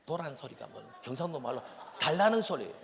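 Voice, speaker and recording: Lively Gyeongsang preacher, reverberant hall. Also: male voice, medium pitch, fast talker, creaky, a little hiss or hum. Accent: Gyeongsang Korean. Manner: animated, swings between loud bursts and hushed whispers. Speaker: missionary preacher. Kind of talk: sermon. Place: church sanctuary. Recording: long reverb of a church hall.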